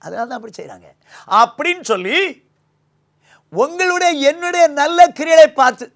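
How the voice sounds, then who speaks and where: Older tamil pastor, very high voice, preaching into a lapel mic, goes loud then drops quiet. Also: male voice, big pitch swings, moderate pace. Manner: preaching, swings between loud high emphasis and low quiet lines. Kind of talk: sermon. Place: small studio set, indoors.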